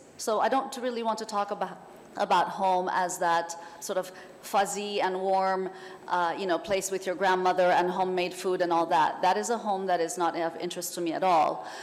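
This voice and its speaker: Speaking at a moderate pace, the woman uses a medium pitch and fairly even intonation. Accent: Persian. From born in London, partly raised in Iran. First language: Persian. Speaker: writer and translator. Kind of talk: panel discussion. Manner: halting with many fillers.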